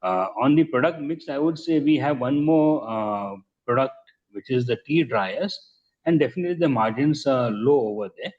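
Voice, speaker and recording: An Indian man answering investor questions as a company executive on an earnings call, in measured, hesitant phrasing with repeated words. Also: medium pitch, darkish tone. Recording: muffled conference call audio.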